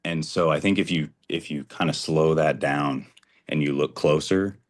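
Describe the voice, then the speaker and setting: A man in his twenties calls in to a talk show. His voice is extremely deep. He speaks earnestly but rambles, sometimes losing his thread and starting over. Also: fairly even intonation, moderate pace. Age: 20s. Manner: earnest, rambling, loses his train of thought. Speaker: caller. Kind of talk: casual call-in conversation.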